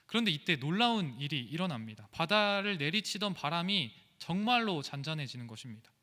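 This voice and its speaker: Korean-language preacher guy, bright higher voice, lots of questions, church echo. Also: very animated, brisk. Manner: earnest, rhetorical questioning. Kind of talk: sermon. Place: church sanctuary. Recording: echoey church hall.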